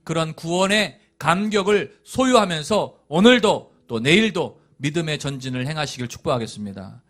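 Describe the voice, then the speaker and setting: A chatty Korean pastor preaching. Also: male voice, on the high side, lively intonation, normal speed, fairly bright tone. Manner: chatty storytelling with asides and chuckles; rousing calls to the congregation. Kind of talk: sermon.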